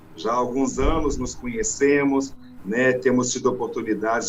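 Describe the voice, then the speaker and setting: Fairly slow speech from a man, amid noticeable background noise. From Rio de Janeiro, Brazil. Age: 60s. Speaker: singer and radio presenter. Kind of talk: interview. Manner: formal.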